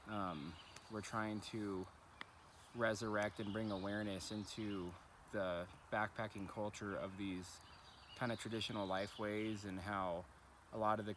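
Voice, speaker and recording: Against noticeable background noise, a man speaks in a fairly low pitch with monotone, flat intonation and a dry sound with no echo. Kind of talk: casual explanatory chat. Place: forest. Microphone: phone near.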